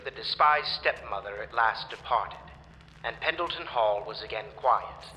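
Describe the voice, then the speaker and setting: Pompous melancholy nobleman, florid memoir dictation, lowish very sharp voice, long reverb, video game. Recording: reverberant room with faint noise.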